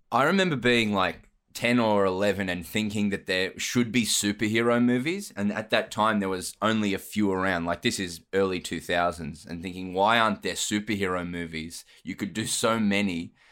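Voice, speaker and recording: In an Australian accent, a man talks at a moderate pace in a fairly low voice with hardly any pauses. The recording is very clean, with a silent background. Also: ordinary pitch variation. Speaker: comedian. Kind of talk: casual interview.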